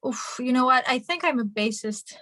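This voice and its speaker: A woman's voice: sits high, moderate pace, pushed and bright, no echo. A young woman from Hungary, a singer and musician, answering interview questions in a chatty way with many fillers and restarts over a video call.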